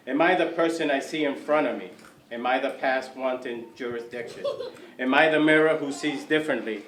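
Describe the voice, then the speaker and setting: A man performing spoken word poetry, measured and repetitive, guiding the audience. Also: mid-range voice, a bit bright. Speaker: poet performer. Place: community event hall. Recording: echoey room, mic from far off, faint noise.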